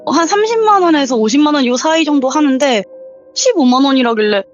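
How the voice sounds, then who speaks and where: A young woman with a slightly high voice tells her story in a relaxed, chatty way, jumping higher whenever she acts out what someone said. The sound is dull and lo-fi, with faint music underneath. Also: quick pace. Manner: chatty, acts out the quoted lines with sudden rises in pitch. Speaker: guest telling a viewer's true horror story. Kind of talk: casual spoken storytelling in an interview.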